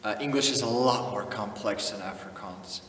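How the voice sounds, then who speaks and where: Young man hosting a casual vlog; easygoing and chuckling, slightly low, unhurried delivery, recorded from a distance in a reverberant room. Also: a bit bright. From United States. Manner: laid-back, chuckling, drops in Afrikaans phrases. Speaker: channel host. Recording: echoey room, voice from off-mic, faint noise.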